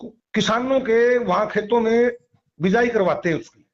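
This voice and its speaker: Male company officer, high voice, methodical explainer who repeats key terms. Dull phone-call recording. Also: normal speed. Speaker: seed company training and extension officer.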